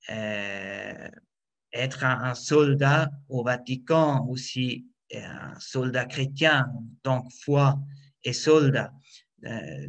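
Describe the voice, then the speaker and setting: A man's voice: mid-range voice, a bit bright. A man, a Swiss priest whose first language is German, answering interview questions hesitantly with many fillers and restarts. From Switzerland. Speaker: priest, guard chaplain.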